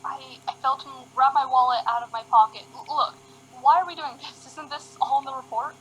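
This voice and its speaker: A woman's voice: high voice, fairly even intonation, brisk, a bit bright, a little hiss or hum, low-quality recording. A woman playing casual, hesitant minor characters in an amateur radio drama. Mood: reluctant, irritated.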